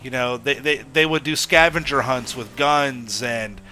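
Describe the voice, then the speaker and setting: A man's voice: medium pitch, steady tone, a little slow, pushed and bright, a little hiss or hum. A young man with a stuffy head-cold voice, giving a blunt, casual opinion monologue to his gaming audience, checking in with "okay?" and "right?". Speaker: gaming YouTuber.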